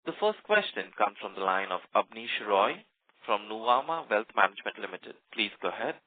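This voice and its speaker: A man's voice: fairly low pitch, sing-song, fairly quick, no echo. A man working as a conference call operator, reading scripted formal announcements and instructions to participants. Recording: dry, narrow phone line.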